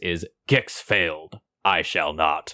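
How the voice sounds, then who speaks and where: A man puts on a character voice that is raspy and very deep, recorded with a dry, close sound and no echo. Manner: menacing, solemn.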